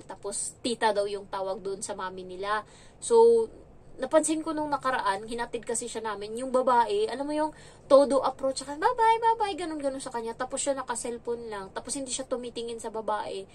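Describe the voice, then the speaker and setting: A woman's voice: medium pitch, a little hiss or hum. A young adult woman from the Philippines who works as a domestic helper, telling a frank, chatty story in a casual vlog. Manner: chatty, frank, animated when retelling.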